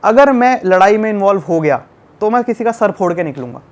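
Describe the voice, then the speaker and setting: A young man from Delhi telling a travel story in a casual podcast chat, animated and acting out the scenes. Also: high voice, brisk. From Delhi, India. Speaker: travel YouTuber guest.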